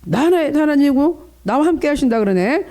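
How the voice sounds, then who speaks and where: A man's voice: very high voice, expressive, moderate pace, dark tone. A middle-aged male pastor preaching at a dawn prayer service, earnest, coaching the congregation in how to pray and asking for their responses.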